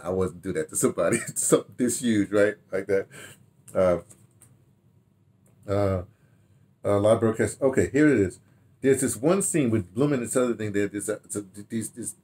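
An American man in his sixties reminisces casually in a rambling, halting way, repeating words and throwing in animated asides, recorded in a home study. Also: lowish voice. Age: 60s. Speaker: radio drama director telling his history. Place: small home study, indoors.

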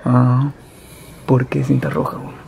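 A man's voice: mid-range voice, big pitch swings, a little slow, vocal fry, a little mellow. A young Peruvian man chatting casually outdoors at night, slangy and sweary, often repeating himself. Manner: slangy, profane, repetitive. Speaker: exploring companion. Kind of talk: casual chat. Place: outdoors on a hillside cemetery at night. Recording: noisy outdoor night recording.

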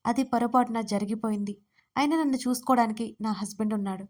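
A defiant young wife with a high, raised voice, voiced by a woman narrator of an audio story. She protests sharply and pushes back hard. It stays close to the narrator's own voice. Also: fairly even intonation, fast talker, darkish tone, close to an everyday voice. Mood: upset.

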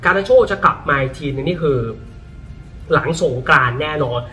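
Guy doing footy talk, high-ish voice, super lively, bit far from the mic. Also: moderate pace. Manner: lively, animated, exclaims often. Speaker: football pundit. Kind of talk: casual football commentary. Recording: voice a bit off-mic, faint music behind.

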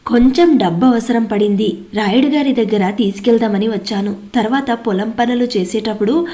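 A woman reading a poor farmhand, humble and pleading, storybook telling, a touch high. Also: moderate pace, warm tone, natural voice. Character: poor male farm laborer, humble, pleading.

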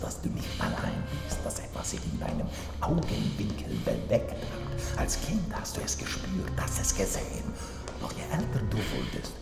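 A sinister, creaky-voiced mad doctor. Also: male voice, mid-range voice. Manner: theatrical, drawn-out menacing phrasing, swinging from whispers to shouted incantation. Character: mad cultist doctor, grandiose, sinister, gloating villain. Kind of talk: German horror audio drama acting. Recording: reverberant hall, music behind.

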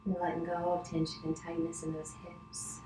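A middle-aged woman instructs yoga in a lowish voice that stays very even. Her cues are gentle and unhurried, with soothing pauses between them. The room adds clear echo, and there is noticeable noise behind her. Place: wood-panelled living room, indoors. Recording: roomy echo, clear background noise, distant camera.

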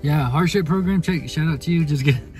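A man's voice: a little high, fairly quick, a little mellow, faint music behind. A man in his thirties with a Navajo reservation Native American accent, chatting casually and playfully to a phone camera inside a truck. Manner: jokey, playful. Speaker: family vlogger. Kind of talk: casual vlog chat to camera. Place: inside a parked pickup truck. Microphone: phone at arm's length.

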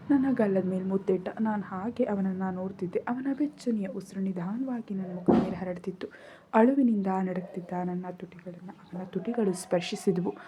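A woman's voice: mid-range voice, muffled recording, a little hiss or hum. A woman narrating a first-person romance story in an emotional, intimate storytelling manner.

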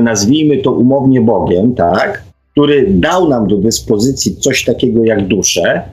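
A man's voice: medium pitch, poor audio. Reflective man thinking aloud in discussion. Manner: hesitant, reflective, often checking with a tag question. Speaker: radio show host. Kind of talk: unscripted philosophical discussion.

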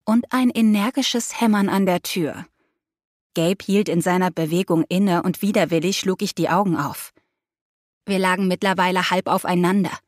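A woman narrates an audiobook in the first person, in an expressive, emotive storytelling manner. Her voice sits at an ordinary middle pitch. The recording is dry and close, like a small studio booth. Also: no echo. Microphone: close studio mic.

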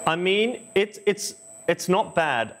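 A man's voice: high voice, slow. A man in his thirties reporting on camera in a brewery, chatty and hesitant as he tastes something, recorded on a lapel mic. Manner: expressive, hesitant when tasting. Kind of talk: on-camera reporting and casual tasting chat. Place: indoor brewery hall and outdoor beer garden.

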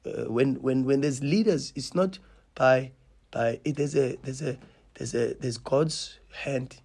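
This is a slow-speaking South African man in his thirties, a football coach addressing a post-match press conference with passion, often restarting and repeating words for emphasis. His mid-range voice is gravelly and slightly rough with a darkish tone. The sound comes through a table mic on a stand in a small press room.

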